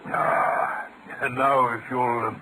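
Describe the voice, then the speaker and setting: An actor playing an admiring, slightly puzzled British gentleman companion to a detective, hesitant and earnest, in old-time radio drama style. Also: medium pitch, little pitch movement, slow, very noisy, natural voice. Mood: curious.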